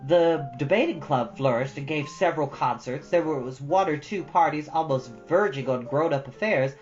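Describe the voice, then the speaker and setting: A woman with a low voice narrates as a storytime host, in an audiobook style. The sound is slightly dull, with soft guitar music underneath. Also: moderate pace.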